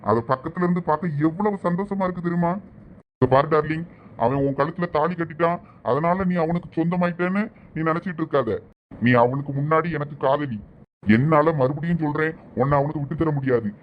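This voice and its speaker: A man's voice: fairly high pitch, a little fast, muffled recording, slight background noise, close to an everyday voice. A man playing an obsessive, menacing kidnapper villain who gloats and threatens in a village drama. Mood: gloating.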